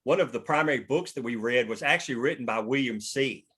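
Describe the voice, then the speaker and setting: A man's voice: medium pitch, fast, fairly bright tone, slightly rough. A man talking casually and emphatically as a screenwriter, explaining his thinking in a rambling way. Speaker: screenwriter leading a script table read. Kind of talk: casual discussion.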